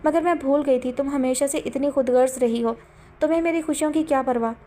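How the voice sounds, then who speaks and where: A desperate young woman pleads and insists, high-voiced and stubborn, as a woman narrator puts her on. An audiobook drama sister with a raw, demanding edge. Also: fairly even intonation, warm tone, close to an everyday voice. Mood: pleading.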